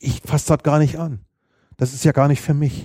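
The sound is dry and close, with no echo. A man talks in a fairly high pitch, his tone dark and mellow and somewhat breathy. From eastern Germany, Brandenburg (Wittenberge). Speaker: former political prisoner. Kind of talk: testimony.

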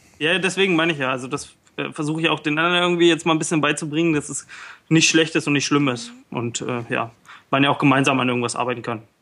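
A man speaks at a very fast pace and fairly high pitch. His tone is bright and sharp, with ordinary pitch variation. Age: 20s. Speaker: hackerspace club member. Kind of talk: casual chat.

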